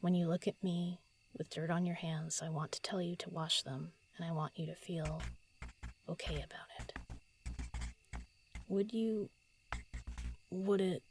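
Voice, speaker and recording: A woman playing a solitary, pensive writer in an audio drama, murmuring halting lines to herself as she composes, often half-whispering. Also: lowish voice, fairly even intonation, darkish tone. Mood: musing, reciting. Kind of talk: intimate audio drama monologue, thinking aloud.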